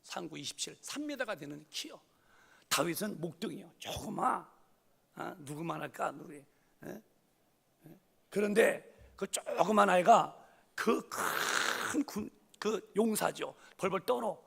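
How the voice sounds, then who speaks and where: A middle-aged man preaching a sermon as pastor, fervent and animated, acting out scenes with loud raised voices. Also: high voice, a little slow, vocal fry, husky. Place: church sanctuary. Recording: long church reverb.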